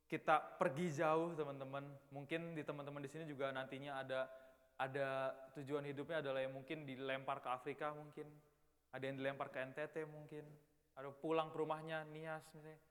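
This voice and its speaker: A man's voice: a little high, a bit bright. A man in his twenties giving a casual, chatty youth sermon in church, talking straight to the young people. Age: 20s. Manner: casual, chatty, banters with the audience. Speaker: youth preacher. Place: church hall. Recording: long hall reverb.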